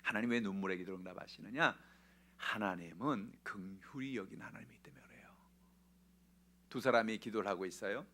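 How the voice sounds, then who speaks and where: A male pastor preaches with bright, forceful emphasis. He surges into loud, high exclamations, then sinks into hushed whispers to press his point. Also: a little fast. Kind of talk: sermon.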